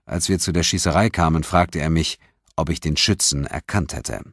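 A man's voice: rumbling low, moderate pace, fairly bright tone, dry recording. A man narrating a first-person audiobook in a dry, wry storytelling manner. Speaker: audiobook reader.

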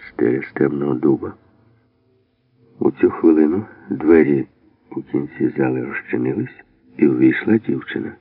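A man narrating an audiobook in a steady storytelling manner. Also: very deep voice, vocal fry, no echo. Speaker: audiobook reader. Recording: dry, phone-like narrow band.

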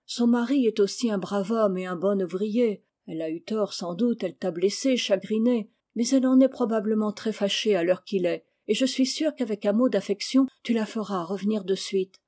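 A woman reading a novel aloud, voicing a calm, sensible older sister who acts as guardian. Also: mid-range voice, normal speed, few pauses, lightly acted. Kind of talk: audiobook character reading.

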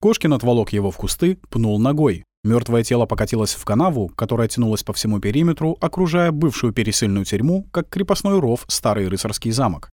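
Мужчина читает аудиокнигу, рассказывая выразительно. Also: male voice, mid-range voice, fairly quick, few pauses, no room sound, studio quality. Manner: expressive storytelling. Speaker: audiobook narrator. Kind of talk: audiobook narration.

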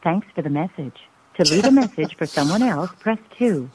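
A woman's recorded voice giving automated phone system prompts in a polite, measured way. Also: on the low side, animated, darkish tone, slight background noise, poor audio. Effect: automated phone system message.

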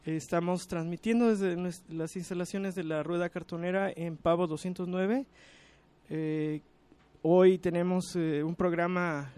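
Hesitant high-voiced man hosting radio. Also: fairly even intonation, measured pace, a little mellow, smooth, no echo. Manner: hesitant, many fillers and restarts. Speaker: radio show host. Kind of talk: casual radio talk.

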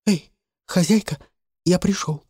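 A man's voice: a little slow, darkish tone, breathy edge, dry recording, clean studio sound. A man doing a tearful stubborn young boy. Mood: pleading. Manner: pleading, high and strained.

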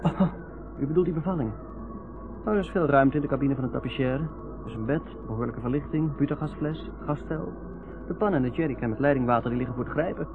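An actor playing a chatty, reassuring young ship's doctor in a Dutch radio play. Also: male voice, medium pitch, fast, close to an everyday voice. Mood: talkative, reassuring. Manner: chatty, reassuring, repeats himself. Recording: noisy narrowband old radio recording.

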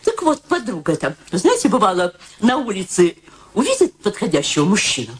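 Сентиментальную старушку-мать, живые переливы голоса. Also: female voice, medium pitch, huge pitch swings, brisk. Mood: insistent, chatty. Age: older. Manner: talkative, solemn, theatrical. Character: ailing, sentimental, pushy elderly mother matchmaking her daughter. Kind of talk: stage-like Russian radio drama acting.

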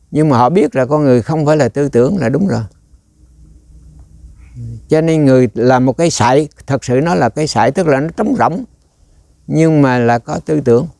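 A man's voice: on the high side, gravelly, mellow, dry recording, clean studio sound. A man giving a rambling, conversational dharma talk as a Buddhist monk, often turning to quiz his listeners.

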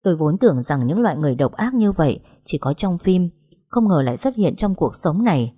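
A woman narrates a first-person story with a measured, dramatic delivery. Her voice sits on the low side for a woman. The reading is steady and deliberate. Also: husky.

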